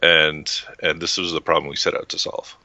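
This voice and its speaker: A man's voice: extremely low pitch, little pitch movement, moderate pace, pushed and bright, dry recording. A man from Texas, a guest in an interview, talking in a hesitant, casual way with many fillers. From Texas, USA. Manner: hesitant, many "um" and restarts, laughs lightly. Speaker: guest, website founder. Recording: dull lo-fi dry sound.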